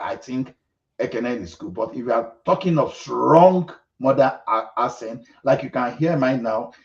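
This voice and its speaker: A man's voice: medium pitch, gravelly, a little mellow, far from the mic, highs cut off. A man with an Ekiti Yoruba accent from Nigeria, arguing earnestly as a panelist in a live online discussion. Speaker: panelist on a live audio show.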